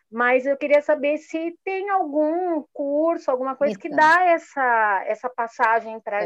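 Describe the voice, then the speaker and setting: Her intonation rises and falls in a lively way. The woman keeps a fairly slow pace. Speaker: coaching student. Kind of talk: online class discussion. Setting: video call. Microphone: phone.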